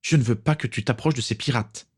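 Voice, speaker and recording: A man's voice: medium pitch, fairly quick, husky, voice pushed up, natural voice. A man voicing a protective, defiant teenage boy who talks in a tense, raised voice.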